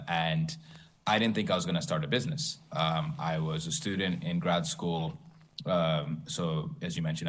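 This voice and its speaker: Deep-voiced tech founder. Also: male voice, a bit bright. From Tanzania. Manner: candid, storytelling, self-deprecating humor. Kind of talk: panel talk.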